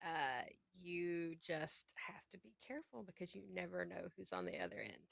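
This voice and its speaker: A woman's voice: lowish voice, moderate pace, gravelly. A woman hosting a casual interview, enthusiastic and agreeable, affirming her guest often. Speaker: interviewer, book community host.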